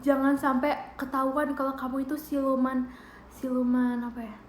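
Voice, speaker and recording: A young woman with an Indonesian accent, chatting playfully and with lots of giggles as she hosts a home livestream. Her voice sits high and bright. The room adds a roomy echo. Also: level tone, normal speed. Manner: playful, giggly, reads out viewer gifts. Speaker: idol livestream host. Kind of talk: casual livestream chat to viewers. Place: bedroom at home.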